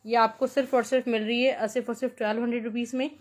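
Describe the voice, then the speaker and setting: A woman with a Pakistani accent hosting an informal live shopping sale, pitching repetitively and mixing in English words. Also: flat delivery, rapid-fire. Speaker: live-sale host selling clothes.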